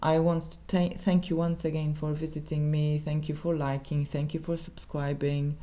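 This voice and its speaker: A woman with a Polish accent, a native Polish speaker, giving a casual tarot reading in halting English with many restarts. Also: deep voice, little pitch movement, mellow. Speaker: tarot reader.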